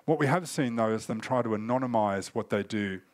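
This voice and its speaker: A man in his forties, still getting over a cold and coughing now and then, gives a keynote on cyber threat intelligence from a conference stage. His lowish voice moves briskly through a loose, explanatory talk full of fillers, and the recording is dry.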